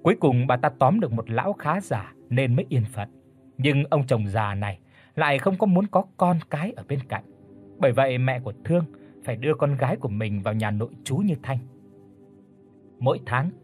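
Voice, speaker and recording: A man narrating an audiobook story with a steady, even reading. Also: mid-range voice.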